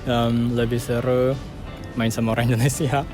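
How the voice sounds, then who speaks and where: Casual interviewee: man, Japanese accent, foreigner speaking Indonesian, mid-pitched, searching for words over music. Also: flat delivery, moderate pace. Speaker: interviewee, content creator. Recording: loud music behind.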